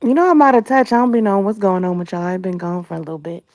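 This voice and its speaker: A blunt, laid-back woman talks casually in an online group chat. Her voice sits at an ordinary pitch and sounds dry and close, with no room around it. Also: very fast, darkish tone, no room sound. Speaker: panelist. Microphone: online call audio.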